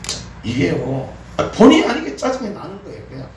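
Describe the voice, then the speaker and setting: A man's voice: fairly high pitch, wildly swooping pitch, fairly quick, darkish tone. A middle-aged man preaching a sermon in a folksy way, acting out prayers and grumbles with frequent laughs. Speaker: pastor. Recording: echoey room, mic at a distance, faint noise.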